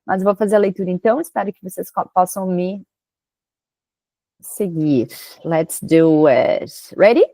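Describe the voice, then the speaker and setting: A woman teaching an English lesson who often checks in with her students and reads the English example sentences slowly and carefully. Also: medium pitch, dark tone, no room sound. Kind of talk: online language lesson.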